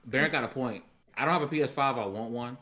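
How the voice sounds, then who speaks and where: A man's voice: medium pitch, fast, crowd noise. A man chatting casually on a gaming podcast in a slangy, emphatic way.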